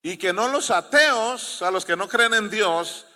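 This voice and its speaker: Mexican pastor, male, fairly high, bright forceful voice, storytelling sermon, long hall echo. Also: animated, measured pace. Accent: Mexican Spanish. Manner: storytelling preacher who asks the congregation to respond.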